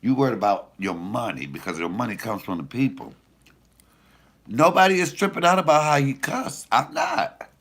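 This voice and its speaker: A middle-aged man with a deep voice, a comedian chatting casually and profanely with viewers on a livestream. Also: normal speed. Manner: animated, loose and profane storytelling.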